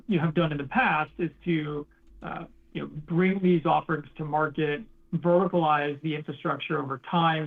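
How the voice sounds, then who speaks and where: A man's voice: fairly high pitch, vocal fry, phone-quality sound. A man speaking as a company executive answering questions on an earnings call, restarting often and using corporate jargon.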